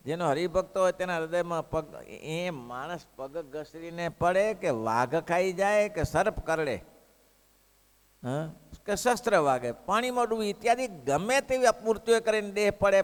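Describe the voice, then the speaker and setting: A man preaching a devotional sermon, telling a story in an animated way and putting questions to the listeners. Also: high-pitched, clean tone. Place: hall of a religious school. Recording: echoey hall.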